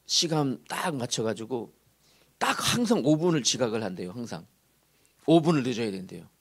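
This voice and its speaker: A male pastor preaching a sermon in a church sanctuary, animated and often asking the congregation questions. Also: mid-range voice, moderate pace, husky.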